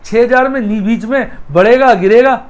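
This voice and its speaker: A man's voice: extremely high pitch, moderate pace. A middle-aged man, giving a casual stock market lesson and telling homely stories straight to his viewers. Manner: homely, repeats phrases, talks straight to viewers. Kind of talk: casual teaching talk with storytelling.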